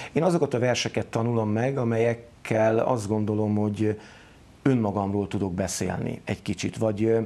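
Dark and mellow, this man's voice sits fairly low in pitch. He keeps a moderate pace and fairly even intonation. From Hungary, Kunszentmiklós; Hungary. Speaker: poetry reciter and former teacher; poetry reciter, former teacher. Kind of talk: interview. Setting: studio. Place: studio. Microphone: lapel.

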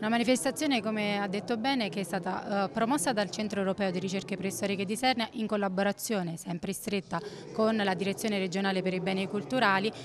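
A woman at a very fast pace, ordinary pitch variation, a dry sound with no echo, and noticeable background noise. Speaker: archaeologist. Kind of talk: interview. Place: hall. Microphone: handheld.

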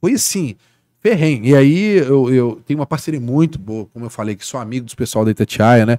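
Against a quiet background, a man at medium pitch talks at a fairly quick pace with big swings in loudness, the sound dry with no echo. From Belo Horizonte, Minas Gerais, Brazil. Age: 40s. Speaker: sports journalist. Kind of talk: casual chat. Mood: relaxed storytelling. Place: studio. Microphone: studio mic.

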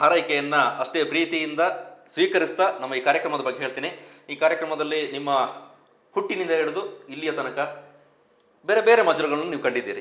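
Against noticeable background noise, a man speaks at a fairly high pitch with ordinary pitch variation. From Kodagu, Karnataka. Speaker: podcast host. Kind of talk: show introduction; interview. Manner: formal.

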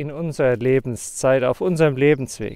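A man's voice has ordinary pitch variation. The sound is dry with no echo, over a quiet background. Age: 40s. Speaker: lay preacher. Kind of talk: devotional talk to camera. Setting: outdoors. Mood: calm, encouraging. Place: open country.

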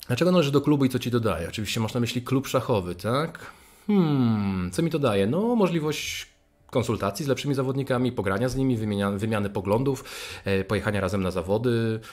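The man's delivery comes at a very fast pace. Lively intonation marks his speech. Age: 30s. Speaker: chess youtuber and English teacher; chess youtuber, English teacher. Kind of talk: casual Q&A chat. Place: home room.

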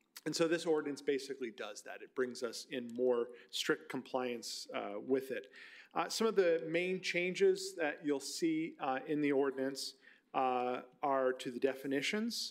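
In a plain, everyday voice, a man speaks fairly slowly at a fairly high pitch with ordinary pitch variation. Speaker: city attorney. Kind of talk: public committee meeting, explaining ordinances. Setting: city hall council chambers. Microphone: podium.

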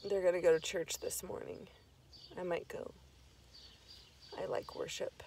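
A woman speaks with long, frequent pauses in a dry recording with no echo, with light noise in the background. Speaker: vlogger. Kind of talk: casual talk to camera. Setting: outdoors. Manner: slow, careful. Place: car. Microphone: phone near.

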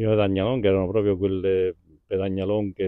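Very deep, low male speech, flat and monotone in its intonation. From Italy, Lazio (Borgo Hermada, Terracina). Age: 70s. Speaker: retired postman, former event volunteer. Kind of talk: interview, personal reminiscence. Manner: halting, many repetitions and fillers.

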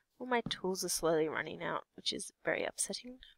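The speaker has an Australian accent and a moderate pace. The sound is dry and close, with no echo. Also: woman. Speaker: gamer. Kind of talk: game commentary. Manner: casual, chatty.

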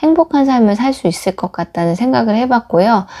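A woman's dark, mellow tone with lively intonation on a very clean recording with a silent background. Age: 40s. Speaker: book review YouTuber. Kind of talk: book review monologue.

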